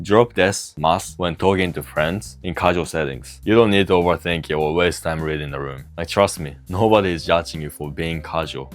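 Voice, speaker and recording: A very deep-voiced man speaks English with a Japanese accent, hosting a casual video lesson. His delivery is frank and laid-back, full of slangy asides. Soft music plays faintly underneath. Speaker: language teacher and channel host.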